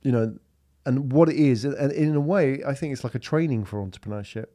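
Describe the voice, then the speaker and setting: A man's voice: mid-range voice, a little fast, warm tone, no room sound, studio quality. A man hosting a podcast interview, asking casual, probing questions. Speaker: podcast host. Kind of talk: conversational interview.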